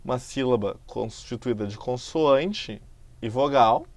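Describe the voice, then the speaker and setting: A man with a Brazilian Portuguese accent teaching a recorded lesson, explaining patiently and stretching example words out slowly. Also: mid-range voice, darkish tone, no echo.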